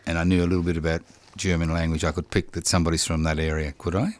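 A man's voice: sits low, level tone, very fast. A man whose first language was Sicilian, interviewing an older woman about her childhood with short, chatty questions and backchannels. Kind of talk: oral history interview.

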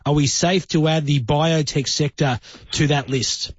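A man hosting a radio talk show, interviewing a guest in a measured, earnest way. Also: on the high side, fairly even intonation, slightly rough, dry recording, lo-fi sound.

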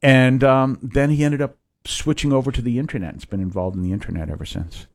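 An older Catholic priest from Massachusetts, speaking as a guest in a reflective, hesitant way. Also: male voice, medium pitch, steady tone, a little fast, no echo. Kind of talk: conversational interview.

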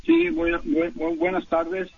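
A man calls in to a radio show to tell his own story, stumbling through it with fillers and restarts. His voice is husky and a little high for a man. He comes through a thin, tinny phone line. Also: big pitch swings. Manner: halting, many fillers and restarts. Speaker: caller. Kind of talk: telling a personal story on a call-in show.

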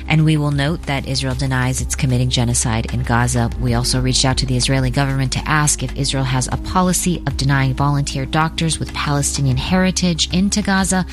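A woman hosting a radio news program, asking measured, probing questions. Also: extremely low pitch. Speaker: news host.

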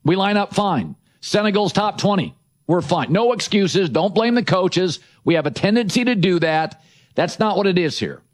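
A middle-aged man hosting a sports talk show, his voice sitting a little high for a man. He talks in brash, emphatic bursts of short punchy sentences. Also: animated, moderate pace. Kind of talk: opinionated sports radio talk.

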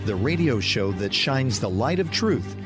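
A man's voice: mid-range voice, very animated, unhurried, music in the background. A man announcing a radio show opening in a dramatic, emphatic scripted style.

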